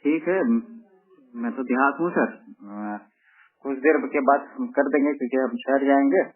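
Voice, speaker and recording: A man's voice: medium pitch, a little slow. A man on an informal recorded phone call, stalling and evasive as he talks. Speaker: caller arranging a payment. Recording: tinny, muffled phone line.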